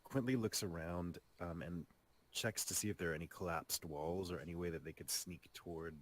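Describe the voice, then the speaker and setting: A man with a low voice plays a tabletop role-playing game. He casually lays out what his character does, talking in the third person. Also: moderate pace.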